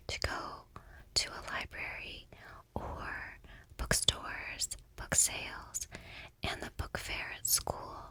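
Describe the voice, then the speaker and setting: A middle-aged woman, quiet and soft-spoken, whispering gently in an ASMR talk and reading a book aloud. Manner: gentle, unhurried, soothing. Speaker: ASMR creator.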